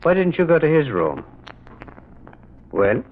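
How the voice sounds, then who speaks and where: An actor playing a mild priest and amateur detective who muses and gently insists, in old-time radio drama style. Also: male voice, a little high, very animated, measured pace. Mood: probing, wry. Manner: hesitant, musing, gently insistent. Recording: noisy, tinny vintage radio recording.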